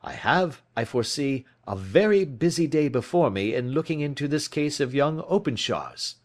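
A man reading aloud, voicing Sherlock Holmes as a keen, brisk detective in a crisp, emphatic, declamatory way. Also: mid-range voice, animated, pitched above the performer's own voice, lightly acted. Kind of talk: audiobook character reading.

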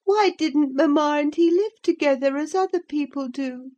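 A woman's voice: sits high, moderate pace, dark tone, highs cut off, pitched above the performer's own voice, lightly acted. A woman voicing a frail, fretful young boy who asks plaintive questions in a storybook reading. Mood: perplexed.

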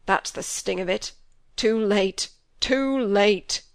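A woman's voice: mid-range voice, slow pace, vocal fry, no room sound. Woman doing a sad old squire guy, rustic talk, sounds crushed, pretty dry close recording. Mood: grieving. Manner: broken, sorrowful, rustic old dialect. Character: grief-stricken old country squire, gruff man. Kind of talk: audiobook character voice.

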